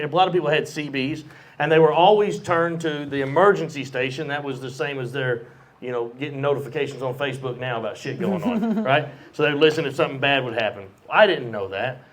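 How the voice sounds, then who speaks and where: A man with a somewhat high voice tells a story in a loose, profane, casual way. He is speaking at a live storytelling show. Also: a bit bright.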